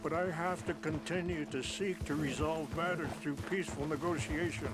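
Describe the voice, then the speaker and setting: An actor playing a dignified, calm middle-aged tribal leader in a video game, speaking in a measured, formal and gentle way. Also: male voice, a little high, natural voice. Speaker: tribal chief. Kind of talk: video game cutscene dialogue. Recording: orchestral game score behind.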